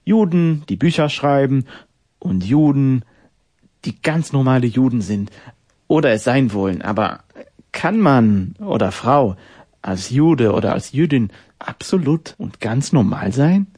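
A man in his late twenties from Israel, hosting a radio program with measured, rhetorical narration and interview questions. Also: mid-range voice, lively intonation, darkish tone, breathy edge. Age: 20s. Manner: measured, rhetorical, list-like delivery. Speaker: radio host.

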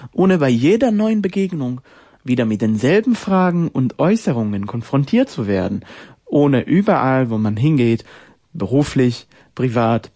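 A man in his late twenties from Israel, hosting a radio program with measured, rhetorical narration and interview questions. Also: medium pitch, mellow. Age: 20s. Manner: measured, rhetorical, list-like delivery. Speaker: radio host.

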